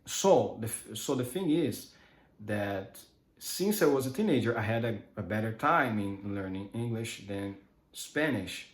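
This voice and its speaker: A man's voice: fairly low pitch, lively intonation, measured pace. Hesitant Brazilian man in an echoey room. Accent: Brazilian Portuguese, countryside São Paulo. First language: Portuguese. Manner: hesitant, many restarts and fillers. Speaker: vlogger. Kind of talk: casual monologue.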